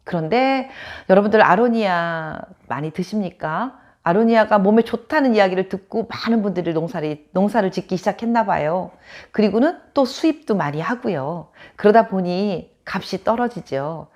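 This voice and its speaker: A woman's voice: mid-range voice, expressive, normal speed, darkish tone. A woman from Chungcheong, South Korea, hosting her own channel and chatting to camera in a casual storytelling way, laughing often. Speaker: channel host.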